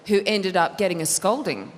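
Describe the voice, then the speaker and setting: A woman's voice: medium pitch, lively intonation, moderate pace, heavy background noise. Playful woman TV host in a hall. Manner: playful, teasing. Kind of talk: scripted TV presenting.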